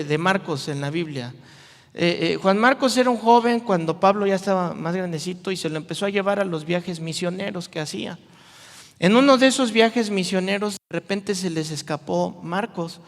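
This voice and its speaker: Male pastor, high voice, animated and jokey, with long reverb from a large hall. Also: normal speed. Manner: animated, jokey, playful asides to the crowd. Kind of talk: lively youth sermon with acted-out voices.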